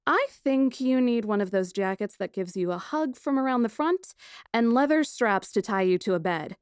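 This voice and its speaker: A woman playing a plucky, sarcastic kidnapped young woman who narrates her ordeal in a first-person audiobook, wry and expressive. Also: fairly high pitch, moderate pace, clean tone, no room sound, studio quality, natural voice.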